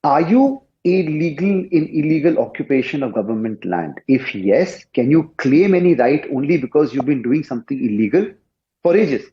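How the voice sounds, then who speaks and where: A man speaking as a panelist in a televised debate, insistent and forceful, with a loud voice. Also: fairly high pitch, lively intonation, moderate pace, dull audio.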